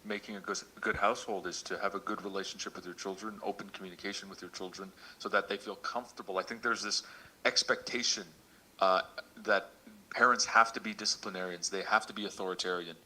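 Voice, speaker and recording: A man moderating a panel discussion unscripted, speaking haltingly with many hesitations and repeated words. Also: low voice, fairly even intonation, sharp tone, a little hiss or hum, low-quality recording.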